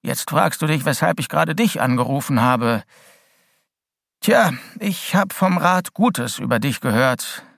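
A man voicing a gruff, bitter old male school headmaster and former policeman who growls his words curtly. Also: fairly high pitch, lively intonation, a little slow, fairly bright tone, dry recording, clean studio sound, voice pushed up, full character voice. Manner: growling, curt.

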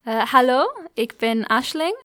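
A woman's voice: on the high side, unhurried, bright, forceful tone. A woman from London, a native English speaker, gives a hesitant account in German with fillers and restarts. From Britain, London. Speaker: interviewee. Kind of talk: casual spoken account.

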